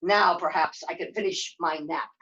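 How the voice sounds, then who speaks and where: Woman playing an unhurried, menacing dragon, dull recording. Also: lowish voice, fairly even intonation, noisy background, natural voice. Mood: calm resolve. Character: weary, unhurried male junkyard dragon, wise and menacing. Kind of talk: live puppet show storytelling.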